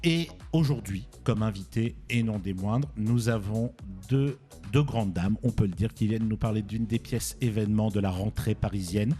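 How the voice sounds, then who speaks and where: A male radio presenter talks casually in a mellow voice. He teases, wanders and corrects himself as he goes, with light music underneath. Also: on the low side, normal speed. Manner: rambling, self-correcting, teasing. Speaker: radio host.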